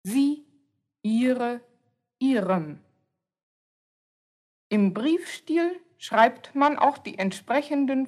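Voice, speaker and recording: A woman reading a scripted language lesson, pronouncing each word carefully and deliberately. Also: fairly high pitch. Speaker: language teacher.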